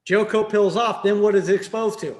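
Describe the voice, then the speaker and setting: A man's voice: high-pitched, steady tone, brisk. A man leading a sales training session, quizzing his listeners and tagging points with "right?". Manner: quizzing the room with frequent "right?".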